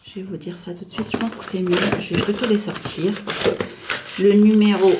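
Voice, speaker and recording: A woman reviewing nail polish in a casual, chatty way, hesitating often and correcting herself, slowing down to spell out each shade name. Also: mid-range voice, fairly even intonation, very noisy. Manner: chatty, hesitant, full of filler and self-corrections; slows down to read out shade names. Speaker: beauty vlogger.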